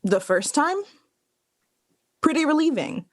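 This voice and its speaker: A woman playing a sardonic, weary hospital patient in a drama, with a deadpan, biting delivery. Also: high voice, slow, no echo, clean studio sound. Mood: dry, sardonic. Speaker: actor in a recorded play. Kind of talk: dramatic scripted dialogue.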